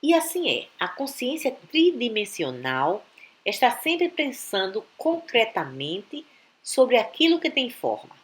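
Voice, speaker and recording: A woman giving a calm, deliberate reading of a spiritual text, with long pauses between phrases. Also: on the high side. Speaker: reader of spiritual teachings.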